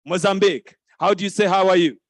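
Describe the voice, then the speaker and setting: Playful high-voiced male event host. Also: fairly even intonation, quick pace, dry recording, clean studio sound. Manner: playful, repeats phrases to the crowd, laughs often. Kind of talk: lively crowd interaction. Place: conference hall stage.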